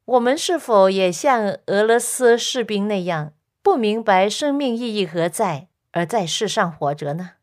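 A woman hosting a Christian radio program, telling a story softly and earnestly and speaking directly to her listeners. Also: medium pitch, lively intonation, unhurried, hardly any pauses.

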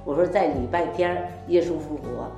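A woman's voice: deep voice, brisk, dark tone, dull audio. An older woman gives a heartfelt, rambling personal testimony full of quoted dialogue. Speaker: church member giving testimony. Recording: echoey room, faint music behind.

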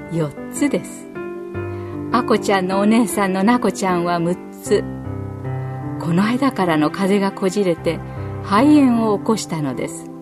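A woman narrating a children's story in a gentle, measured storytelling manner. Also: mid-range voice. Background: faint music.

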